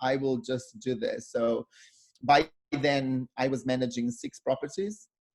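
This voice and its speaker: A man with a medium pitch speaks in a Portuguese accent. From Brazil. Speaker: entrepreneur. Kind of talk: casual talk. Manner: halting.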